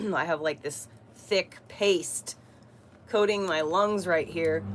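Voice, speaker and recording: A woman's fairly low pitch, very slow pace and ordinary pitch variation. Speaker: vlogger. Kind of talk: casual chat. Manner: casual, filler-heavy.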